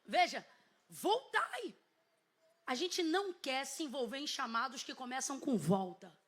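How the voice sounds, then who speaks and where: A Brazilian woman preaching a sermon on a church stage through a microphone. Her voice is high and bright, and she often rises to a shout. She repeats key words and throws questions back at the crowd. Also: very animated, moderate pace. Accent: Brazilian Portuguese. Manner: shouting, emphatic, repetitive calls and questions to congregation. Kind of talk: Pentecostal sermon. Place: church stage before a congregation. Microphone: handheld or headset microphone with compressor.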